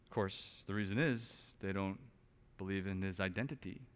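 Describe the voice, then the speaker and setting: A man preaching a sermon, asking rhetorical questions and swinging between quiet, low stretches and loud, emphatic bursts. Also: normal speed, clean tone. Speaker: pastor. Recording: long reverb of a large hall.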